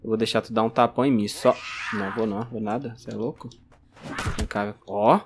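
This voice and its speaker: With a little hiss or hum in the audio, a low-voiced Brazilian-accented man talks briskly through his gameplay. The streamer is excitable and casual, yelping and chiding the zombies while he plays.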